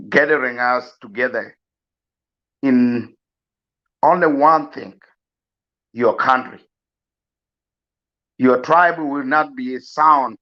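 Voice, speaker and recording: A man from South Sudan giving a slow, earnest farewell address, pleading with many pauses. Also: medium pitch. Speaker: mourner giving a eulogy. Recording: dull lo-fi recording.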